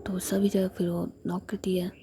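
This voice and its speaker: Woman whispering a story with a gravelly voice. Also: fairly low pitch, moderate pace, a little hiss or hum. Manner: steady whisper throughout.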